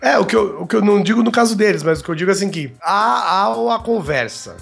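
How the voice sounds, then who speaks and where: A man's voice: high-pitched, animated, fast, creaky, a bit bright, breathy edge, faint music behind. A Brazilian man co-hosting a podcast, explaining facts in a long, casual way with lots of filler tags. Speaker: podcast co-host.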